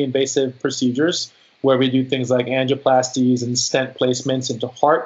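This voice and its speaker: Someone with an American accent talks at a fairly quick pace in an unremarkable speaking voice. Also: man. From New Jersey. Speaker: interventional cardiologist. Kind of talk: casual interview.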